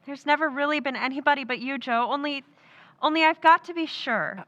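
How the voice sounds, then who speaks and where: A woman's voice: high-pitched, fairly quick, fairly bright tone. A woman acting in an old-time radio drama as an earnest young sweetheart, pleading but firm, on a slightly dull recording. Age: young adult.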